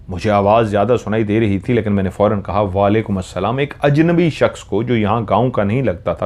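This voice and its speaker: A man's voice: lowish voice, a little mellow. A man retells a horror story dramatically, correcting himself as he goes.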